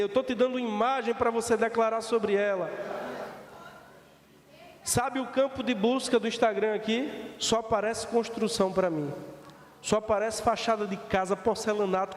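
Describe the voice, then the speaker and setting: A man with a Brazilian Portuguese accent preaching a sermon as pastor, fervent and joking, driving his points home by repeating them. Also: extremely high pitch. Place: church hall. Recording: echoey church hall, faint noise.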